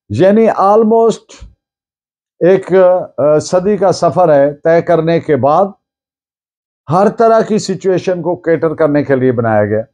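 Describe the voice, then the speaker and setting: A Pakistani man speaks as a lecturer, in a fairly high-pitched but mellow voice. He goes very slowly and deliberately, explaining point by point and repeating for emphasis. English terms are mixed into his speech. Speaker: law lecturer.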